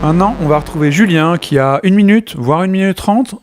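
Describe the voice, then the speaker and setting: A man hosting a casual panel show, telling quick, animated stories. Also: high voice, soft background music. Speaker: host.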